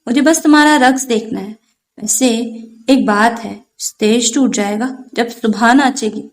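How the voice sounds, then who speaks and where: A woman's voice: a little high, natural voice. A woman voicing a teasing young man who makes jokes.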